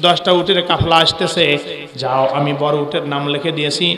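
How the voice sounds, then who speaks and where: A man preaching a sermon, telling a story with animated acted-out dialogue and urging the crowd to cheer. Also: on the high side, fairly quick, big-room sound. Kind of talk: sermon storytelling at a religious gathering.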